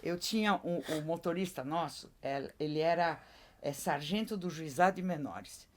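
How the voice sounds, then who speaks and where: A woman's voice: deep voice, moderate pace. A woman, a podcast guest talking bluntly and emphatically in casual chat. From Brazil. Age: 60s.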